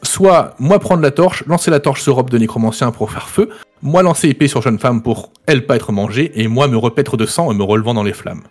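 Guy doing a dumb loud barbarian, caveman talk, mid voice. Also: mid-range voice, fairly quick, faint music behind, close to an everyday voice. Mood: boastful. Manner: broken caveman grammar, loud proclaiming. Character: brutish male barbarian warrior, dim and boastful.

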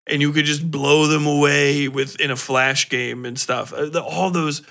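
Guy in his 30s doing a loose sweary podcast rant, kinda high bright voice, animated. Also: normal speed, gravelly. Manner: animated, profane, slangy, laughs while talking. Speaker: podcast host. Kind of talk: casual solo rant, reminiscing.

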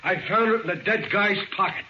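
A man plays an aggressive henchman in a forties radio crime show. His voice is high and blunt with pushy street talk, heard through a muffled, hissy old recording. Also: brisk, natural voice. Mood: brisk. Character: hot-headed tough male thug, aggressive henchman. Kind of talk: 1940s radio crime drama acting.

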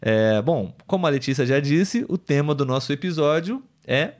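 A Brazilian man hosting a live podcast chat for learners of Portuguese, speaking clearly and in a measured way and often checking in with his co-host. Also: on the high side, animated.

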